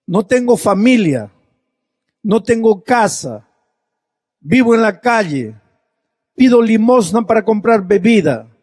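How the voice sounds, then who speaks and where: A male preacher voicing a broken, grieving middle-aged man who speaks in a quiet, halting, mournful way. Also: high-pitched, lively intonation, breathy edge, no echo, clean studio sound, voice pushed up, exaggerated voice. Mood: despairing.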